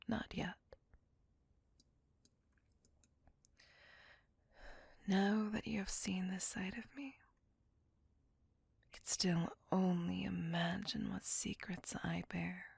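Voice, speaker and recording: A woman's voice: fairly low pitch, gravelly, darkish tone, slightly rough, no room sound, heavily acted. A woman whispering as a tormented centuries-old vampire. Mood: tender remorse. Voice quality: whispered throughout. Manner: slow, brooding, intimate. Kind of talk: ASMR audio roleplay.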